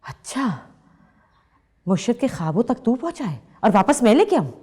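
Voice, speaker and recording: A woman's voice: mid-range voice, lively intonation, moderate pace, dark tone, slightly rough. An actress playing a desperate, guilt-ridden woman who pleads emotionally, in Pakistani Urdu. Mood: pleading. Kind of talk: TV drama acting.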